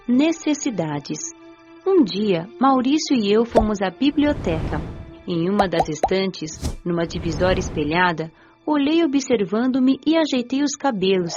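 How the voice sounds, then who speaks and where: A woman narrates a dramatized spiritual story in a gentle, reflective voice with a lively melody. The audio is slightly muffled, with a soft music bed behind her. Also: fairly high pitch. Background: soft background music.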